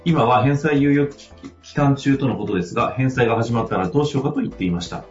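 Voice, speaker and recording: A man's voice: medium pitch, soft background music. A man hosting a podcast, reading listener mail aloud and ribbing his co-host. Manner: quick, playful ribbing. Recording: dull echoey room.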